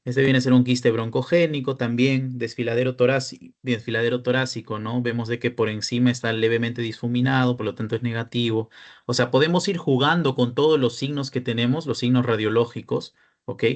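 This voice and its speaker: A man's voice: mid-range voice, steady tone, brisk. A young man with a Peruvian Spanish accent, a peer tutor giving an online class lecture, explaining step by step and often checking in with the students.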